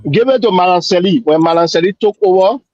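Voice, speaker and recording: A man's voice: high-pitched, fast talker, darkish tone. A man joining a talk show remotely off camera, speaking loosely and circling back over his points. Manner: conversational, loose, repeats himself. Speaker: remote co-panelist. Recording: dull lo-fi call audio.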